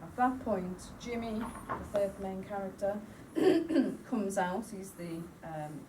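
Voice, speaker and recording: A woman's voice: mid-range voice, expressive, takes it slowly. A woman reading out a draft radio drama informally, giving dialogue and sound cues matter-of-factly. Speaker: writing workshop participant reading out a script. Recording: distant mic in a noisy room.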